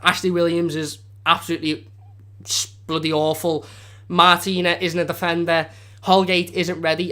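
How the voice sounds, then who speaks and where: A young man from the Liverpool area, with a strong Scouse accent and a somewhat bright voice on the high side, hosts a fan channel live stream. His chat is casual and rambling, with frequent restarts.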